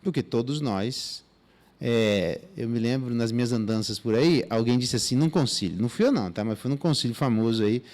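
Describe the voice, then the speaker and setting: A man with a Brazilian Portuguese accent, a pastor teaching through a Bible passage in a church, casual and animated, with slang asides and mock dialogues. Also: mid-range voice, normal speed.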